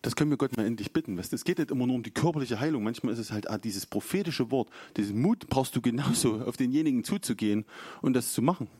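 A man's voice: mid-range voice, expressive, quick pace, mellow, slightly rough, no room sound. A man preaching an informal sermon, chatty and storytelling, acting out quotes along the way.

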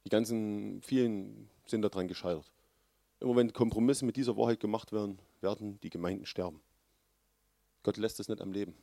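A man preaching a sermon, with earnest, loud emphasis that drops to low, quiet lines. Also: a little fast, gravelly, no room sound.

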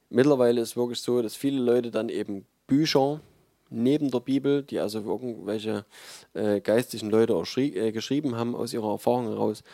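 Mellow-voiced German man preaching. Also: medium pitch, no room sound, clean studio sound. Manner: conversational preaching, emphatic, with frequent fillers. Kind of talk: sermon.

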